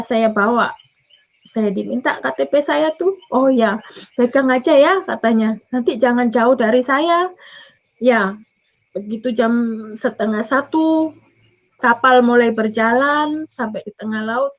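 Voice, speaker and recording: A young woman from East Java tells her church testimony with a high, bright pitch. She gets emotional and acts out the dialogue as she goes. The recording is slightly dull and lo-fi. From East Java, Indonesia. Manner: emotional storytelling, acting out dialogue. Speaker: testimony speaker.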